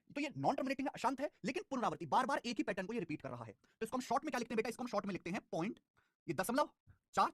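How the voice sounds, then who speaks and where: A man's voice: high voice, no echo, clean studio sound. A young man teaching a live online math class, repeating numbers over and over and scolding students with life advice. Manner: fast, lively, repeats digits and phrases.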